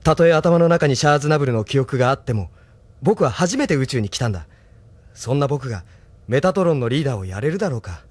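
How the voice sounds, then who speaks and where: An actor playing a thoughtful, earnest young man in a radio drama, speaking softly and reflectively. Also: medium pitch, lively intonation, fast talker, no room sound, lightly acted. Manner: soft-spoken, reflective. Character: thoughtful young male leader, gentle and earnest.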